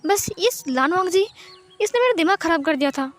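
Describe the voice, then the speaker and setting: A woman voicing a defensive young man who haltingly explains himself to his parents in a fan story reading. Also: very high-pitched, animated. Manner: hesitant, explaining.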